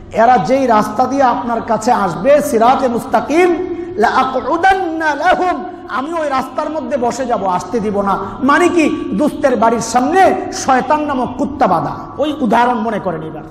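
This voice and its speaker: Male preacher, Bangladeshi accent, very high voice, emphatic sermon delivery, conversational teaching, reverberant echoey hall. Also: slight background noise. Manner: emphatic, conversational, rhetorical questions to listeners. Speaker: Islamic preacher. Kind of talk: sermon explaining scripture with recitation and everyday analogies.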